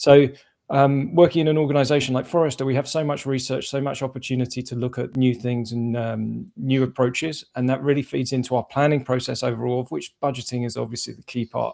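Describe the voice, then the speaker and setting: Spoken very fast with hardly any pauses, this American-accented voice has a dark, mellow tone and fairly even intonation. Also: man, medium pitch for a man. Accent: southern English, with a little US southern. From southern England. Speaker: marketing executive. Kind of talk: interview. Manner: halting, many fillers and restarts.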